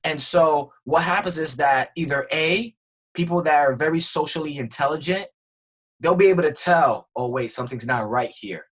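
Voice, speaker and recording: A man's voice: a little high, moderate pace, fairly bright tone, husky, poor audio. A man being interviewed on a podcast, earnestly explaining his views step by step, with frequent restarts. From Spanish family background. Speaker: guest.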